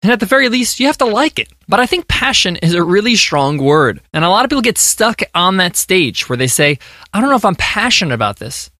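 An American man in his thirties delivers an emphatic, motivational monologue of business advice. His voice sits high and bright and swings widely in pitch. The recording is dry, with no room sound. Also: sing-song, fairly quick, no echo. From United States. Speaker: podcast host.

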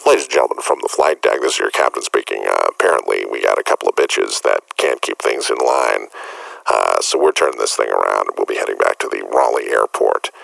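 A man voicing a gruff male airline captain speaking over the cockpit intercom, annoyed and halting. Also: a bass voice, lively intonation, fairly bright tone, dry recording, pitched below the performer's own voice, heavily acted, low-quality recording. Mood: irritated. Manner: drawling, annoyed announcement with halting uhs. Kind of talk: mock captain's cabin announcement on a podcast.

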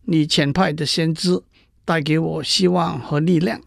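A sorrowful young prince from a storybook fable, cursed and half turned to stone, as a man reads him aloud. The voice sits high and has a gravelly edge, and it sounds close and dry. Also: fairly even intonation, a little slow, no echo, heavily acted. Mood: prayerful.

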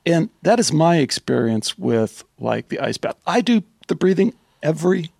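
A man hosting a podcast in a relaxed, conversational, somewhat halting way. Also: a little high, vocal fry, no room sound, clean studio sound. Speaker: podcast host. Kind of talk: casual interview.

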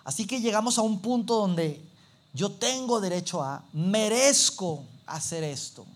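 A man preaching a sermon, animated and acting out little everyday scenes. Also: sits high, unhurried.

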